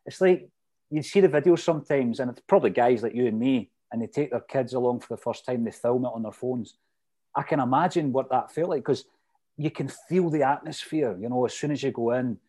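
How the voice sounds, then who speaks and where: A man's voice: medium pitch, fairly quick, dark tone. A middle-aged man with a Fife Scottish accent, reminiscing casually in a chatty, detailed, anecdotal way. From Fife, Scotland. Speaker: interview guest, lifelong football supporter.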